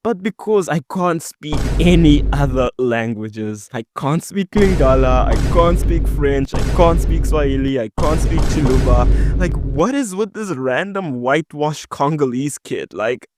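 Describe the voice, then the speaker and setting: A young man from South Africa with a white South African accent, telling a storytime in a joking, animated way with big swings in pitch and loudness. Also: unhurried, hardly any pauses, background noise. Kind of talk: storytime narration.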